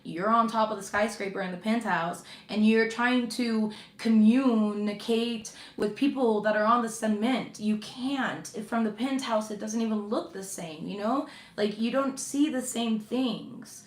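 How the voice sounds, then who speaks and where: A woman's voice: fairly high pitch, a little slow, hardly any pauses, roomy sound. A woman reading tarot cards to her viewers in a chatty, reassuring way, with frequent fillers and check-ins. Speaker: tarot reader.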